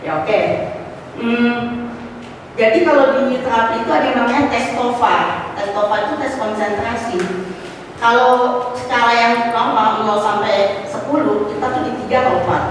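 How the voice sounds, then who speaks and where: A middle-aged woman shares a personal testimony in a church hall, her storytelling animated and peppered with casual asides. Her voice sits a little high and carries a slight cough. She sounds distant from the mic, with long reverb and a faint hum of room ambience. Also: moderate pace. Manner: animated storytelling, rising to exclamations; mixes in casual slang and english words. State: has a cough. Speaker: testimony speaker at a church fellowship. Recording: echoey hall, voice from far off.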